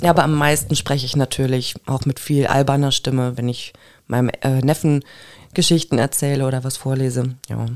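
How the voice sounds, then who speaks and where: A woman's very deep, low voice with monotone, flat intonation at a moderate pace, on a very clean recording with a silent background. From Nordhausen area, Thuringia. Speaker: process manager and voice actor. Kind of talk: casual interview. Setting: studio.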